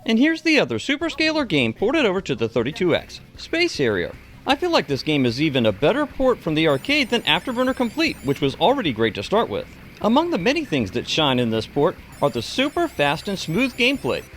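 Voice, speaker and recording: A man's voice: high-pitched, huge pitch swings, a little fast, fairly bright tone, a little hiss or hum. A middle-aged man reading an enthusiastic scripted video game review as its presenter.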